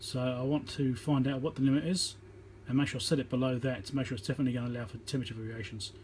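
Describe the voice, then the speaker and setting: This is an electronics repairer demonstrating his work, speaking at a racing pace in a medium-pitched, darkish voice with fairly even intonation. The casual, no-nonsense tutorial has him thinking aloud while he works, captured by a phone on a tripod with slight background noise.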